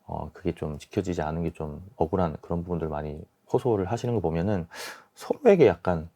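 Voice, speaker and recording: A man in his forties giving measured, softened explanations as an expert guest in a radio interview. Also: sits low. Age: 40s. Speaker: guest, small-business expert and YouTuber. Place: radio studio.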